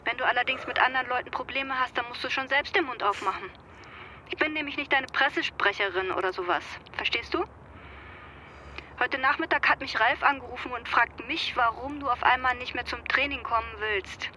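Exasperated friend, firm, bright voice, faint hiss. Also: female voice, sits high, brisk, poor audio. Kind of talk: radio drama acting.

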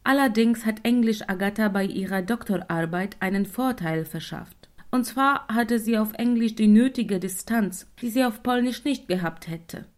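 A woman's voice: medium pitch, moderate pace, hardly any pauses. Dry-voiced woman narrating. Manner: dry, matter-of-fact. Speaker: narrator and German teacher. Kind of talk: scripted radio narration.

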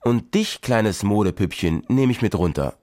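A man voicing a brisk grown man in a children's radio play. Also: lowish voice, animated, a little mellow, dry recording, clean studio sound, natural voice.

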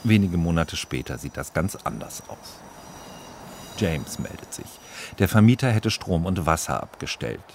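A man's voice: low voice, very animated, normal speed, gravelly, background noise. A man narrates a scripted radio feature as a reporter, in short descriptive sentences.

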